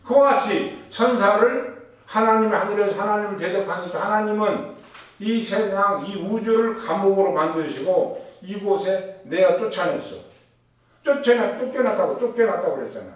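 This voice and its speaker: A man's voice: sits high, normal speed. A male pastor preaching a sermon, putting questions to his congregation and answering them. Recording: echoey room with a distant mic.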